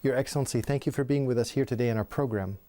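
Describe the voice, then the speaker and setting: A man's voice: mid-range voice, rapid-fire, warm tone, dry recording. A man hosting an interview, asking earnest questions and prompting his guest. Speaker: interviewer, host.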